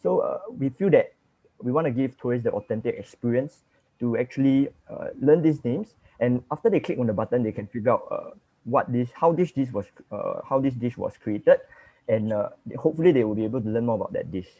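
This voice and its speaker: Singaporean guy answering judges, earnest and explaining, warm tone, muffled dry call sound. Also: mid-range voice, lively intonation, a little fast, no room sound. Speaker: student contestant. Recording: dull dry lo-fi call audio.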